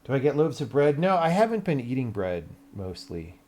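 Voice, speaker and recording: A man's voice: mid-range voice, big pitch swings, normal speed, a little mellow. An American man talking casually on a livestream as a game developer, blunt and sweary, thinking aloud as he explains things to viewers.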